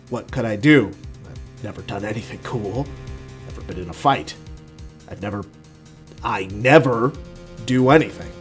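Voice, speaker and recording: Man, animated pitch, dramatic amateur story reading, expressive, music behind. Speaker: writer reading own work.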